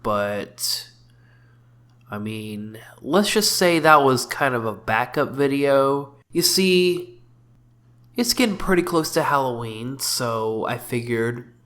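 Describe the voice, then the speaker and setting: A man's voice: medium pitch, a bit bright. A man giving casual, informal video game commentary as a review host, mildly sweary.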